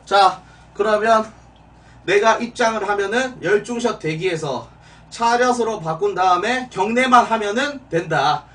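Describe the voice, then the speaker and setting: In a small room, a young man with a high-pitched, slightly bright voice gives commands and stern corrections as a drill sergeant in a comedic streamed military training, keeping a measured pace. Music plays underneath, and the sound comes from a room mic several steps away.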